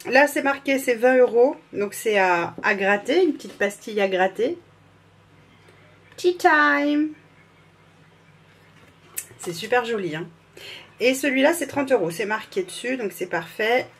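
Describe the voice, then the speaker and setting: A woman vlogger in casual, gushing chat, fumbling and apologizing as she reads out names. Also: fairly high pitch. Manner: fumbles and restarts while reading labels.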